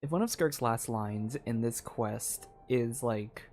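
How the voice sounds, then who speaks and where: A man's voice: medium pitch, takes it slowly, darkish tone. Casual man streaming, faint music behind. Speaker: game streamer. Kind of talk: casual live reaction commentary. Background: game music.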